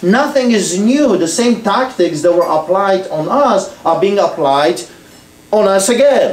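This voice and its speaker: A man's high voice with a Polish accent, a fairly slow pace and ordinary pitch variation, plus audible room echo and noticeable background noise. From Poland. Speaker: street preacher and activist. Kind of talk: public speech to audience. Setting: restaurant event with audience. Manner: animated.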